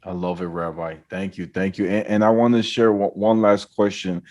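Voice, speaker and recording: A man's voice: deep voice, little pitch movement, normal speed, darkish tone. A man hosting a podcast, asking questions in a friendly, enthusiastic way. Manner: enthusiastic, repeats his praise. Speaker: podcast host. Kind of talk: casual interview questions.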